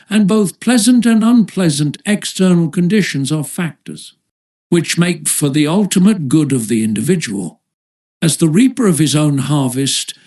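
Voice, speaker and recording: A man reading an audiobook as narrator in a measured, formal manner. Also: fairly high pitch, darkish tone.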